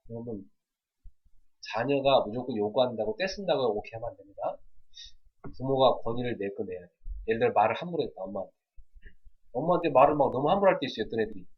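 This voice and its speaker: A male pastor giving a sermon on parenting, asking the congregation questions and quietly acting out parents talking to children. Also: mid-range voice, animated, fast, long pauses, breathy edge, dull audio. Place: church.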